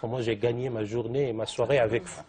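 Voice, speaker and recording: A man's voice: mid-range voice, fairly even intonation, fairly quick, crowd noise. A man speaking as a guest in a televised debate, eloquent and fond of long, elaborate phrasing. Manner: eloquent, elaborate vocabulary, piles up synonyms.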